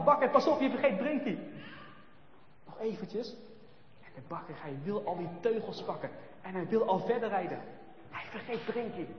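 A man tells a children's story in an expressive voice that swings between hushed and loud. His voice is high. The sound is dull and echoes in a long hall, with faint ambience behind. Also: slight background noise.

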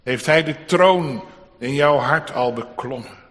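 A man's voice: medium pitch, takes it slowly, fairly bright tone. A man preaching a solemn sermon to his congregation, asking rhetorical questions and building to emphatic peaks. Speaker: pastor. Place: church. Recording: church hall reverb.

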